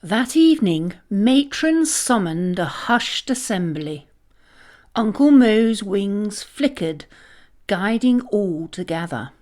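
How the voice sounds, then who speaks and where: A woman narrating a scripted children's story in a dramatic, expressive manner. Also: mid-range voice, slow pace.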